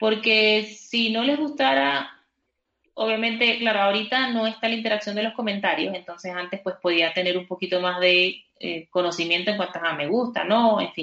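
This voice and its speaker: Speaking with a Venezuelan accent, a woman uses ordinary pitch variation. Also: medium pitch for a woman, moderate pace. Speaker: children's YouTube creator. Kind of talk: interview.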